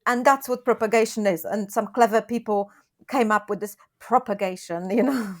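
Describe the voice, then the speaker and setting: A woman's voice: medium pitch, fairly even intonation, moderate pace. A woman with a Polish accent, a guest on a podcast, talking earnestly and upbeat with many fillers. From Poland. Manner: earnest, upbeat, lots of "you know" and "um". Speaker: guest, gardening author. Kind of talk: podcast interview.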